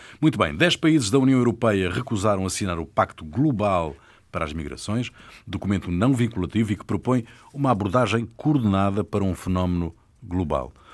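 Here a man has an unremarkable speaking voice, fairly low in pitch, with lively intonation and a fairly quick pace. The recording is very clean, with a silent background. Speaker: radio host. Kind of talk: radio panel discussion.

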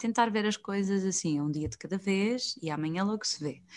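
A woman with an unremarkable speaking voice talks at a moderate pace, her pitch moving in an ordinary way. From central Portugal (Coimbra, Viseu). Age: 20s. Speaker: actress. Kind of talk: interview conversation. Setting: video call.

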